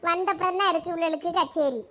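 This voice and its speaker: A woman's voice: very high voice, fairly even intonation. A woman voicing a bossy village mother in a cartoon, scolding her daughters with a Thoothukudi Tamil accent. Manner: sharp scolding, rapid nagging. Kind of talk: cartoon voice acting.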